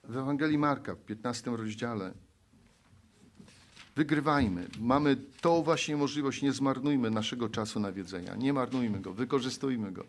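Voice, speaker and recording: A male preacher from Poland delivering an earnest sermon. He pleads and exhorts, rising into loud appeals and then dropping to hushed, low passages. He also reads scripture aloud in a measured way.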